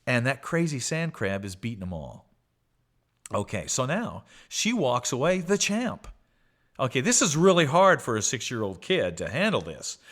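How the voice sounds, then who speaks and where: A man hosting a podcast, telling a story with animated delivery and acted-out childhood voices. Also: medium pitch, normal speed. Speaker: podcast host.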